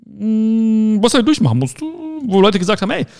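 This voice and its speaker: A man's voice: high-pitched, animated, normal speed, darkish tone. A man giving a motivational talk in an emphatic way, repeating his key phrases. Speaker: motivational speaker.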